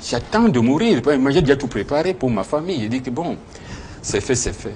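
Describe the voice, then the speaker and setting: Through noticeable background noise, a man at a medium pitch makes very wide pitch swings. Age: 60s. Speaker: politician. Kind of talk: interview.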